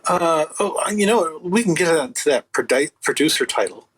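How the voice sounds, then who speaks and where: A man with a slightly husky voice speaking as an interview guest in casual, emphatic, opinionated, rambling talk. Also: on the high side, expressive, normal speed, fairly bright tone, low-quality recording. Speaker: guest, audio producer and writer.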